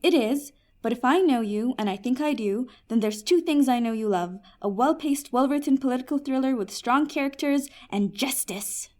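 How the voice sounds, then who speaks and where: A woman's voice: sits high, animated, normal speed, hardly any pauses, darkish tone. A woman playing a kind, earnest, persuasive djinnia in a fantasy comedy audio drama. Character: Peri, kind, earnest young djinnia of smokeless fire.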